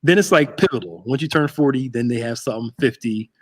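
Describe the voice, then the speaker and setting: A man's voice: medium pitch, quick pace. A man in his thirties, a pastor hosting a casual chat show from a church sanctuary, laid-back and joking. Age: 30s.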